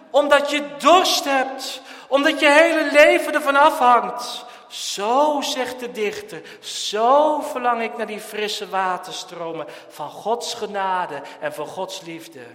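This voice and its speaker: A man preaching a sermon, swinging between loud pleading and quiet, earnest speech. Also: sits high. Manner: impassioned, swings from shouting to quiet. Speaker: pastor. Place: church. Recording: echoey church hall.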